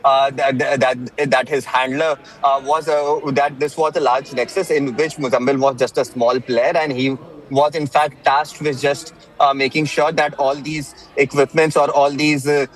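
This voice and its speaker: A man with an Indian accent reporting breaking news live, haltingly, with repeated words and many filled pauses. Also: mid-range voice, flat delivery, faint music behind, low-quality recording.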